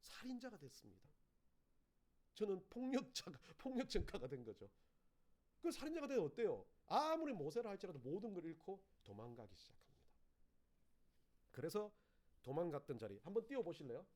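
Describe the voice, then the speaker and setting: A man's voice: high voice, huge pitch swings, normal speed, long pauses, a little mellow. A male pastor preaching a sermon, telling a personal story and acting out the voices of the people in it.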